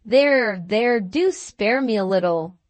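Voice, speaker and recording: A woman's voice: mid-range voice, expressive, slow, no room sound. A woman voicing a peevish, self-pitying young husband who speaks in a sulky, sarcastic way in an audiobook. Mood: irritable.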